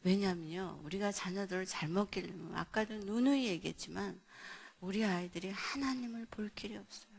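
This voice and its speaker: A middle-aged woman pastor gives a sermon at an evening family meeting, telling stories and acting out the people in them with big swings in loudness. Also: medium pitch, a little fast, vocal fry, breathy edge. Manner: animated storyteller, acts out dialogue with big swings in loudness. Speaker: pastor and seminar speaker. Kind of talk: sermon with storytelling. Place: church hall at an evening revival meeting.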